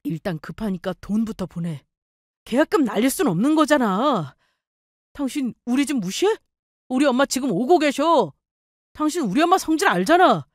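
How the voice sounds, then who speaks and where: Woman playing a husband, demanding, pleading, lowered voice, dry sound. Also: sing-song, moderate pace, dry recording. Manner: angry then pleading. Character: panicky, pushy husband, middle-aged man.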